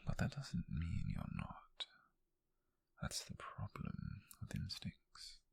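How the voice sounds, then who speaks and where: A British man playing a calm, menacing, possessive detective in a whispered ASMR roleplay, with a breathy, husky voice and slow, deliberate delivery. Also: low-pitched, no room sound, heavily acted. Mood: intrigued, distracted.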